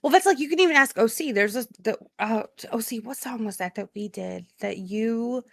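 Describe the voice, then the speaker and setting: A woman with a relatively low voice, co-hosting a podcast, giving animated, profane, effusive feedback in casual chat. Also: moderate pace, vocal fry, dry recording. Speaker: podcast co-host.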